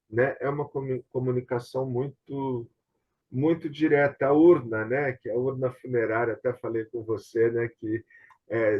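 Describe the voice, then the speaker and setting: A man's voice: mid-range voice, husky, highs cut off. A Brazilian man hosting a casual conversation about theatre and television, speaking hesitantly and often seeking confirmation. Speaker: host. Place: remote online video session.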